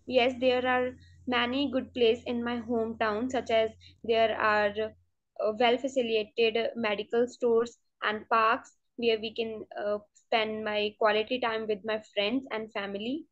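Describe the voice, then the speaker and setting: A woman's voice: a little high, flat delivery, a little slow. Hesitant young woman, Punjabi native. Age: student. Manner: hesitant, with many fillers and restarts. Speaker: test candidate. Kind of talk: mock speaking exam answers. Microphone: video call. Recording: dull lo-fi video call audio.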